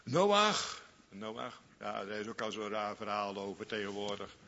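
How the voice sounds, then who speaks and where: A man's voice: on the low side, monotone, fairly quick, bright, forceful tone, in a large hall, lo-fi sound, slight background noise. A man preaching a sermon, fervent and repetitive, lingering on each phrase.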